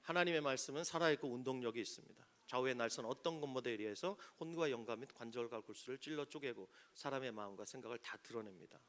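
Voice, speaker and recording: A male pastor preaching a sermon to an audience, swinging from loud cries to near-whispers and acting out the voices in his stories. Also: mid-range voice, fast, hardly any pauses. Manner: acts out quoted voices in stories.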